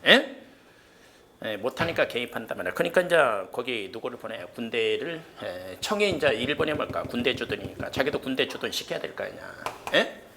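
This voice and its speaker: Brisk, joking man lecturing a class. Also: mid-range voice, big pitch swings, noisy background. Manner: brisk, asks students constant questions and quickly answers them himself; blunt and joking, with casual rough slang. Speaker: exam prep history lecturer. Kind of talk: lecture to students. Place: cram school lecture room.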